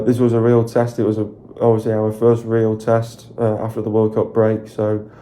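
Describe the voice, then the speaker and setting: A man with a croaky, sore voice, talking at length about his team's win in a loose, repetitive, excited way on his video channel. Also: fairly low pitch. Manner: repetitive, filler-heavy, excited rambling. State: hoarse, sore throat. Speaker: football fan channel host. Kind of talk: casual solo video commentary.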